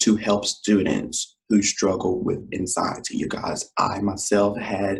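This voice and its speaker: Somewhat breathy, a man's voice proceeds at a very slow pace. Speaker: education podcaster. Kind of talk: podcast monologue. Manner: casual, filler-heavy.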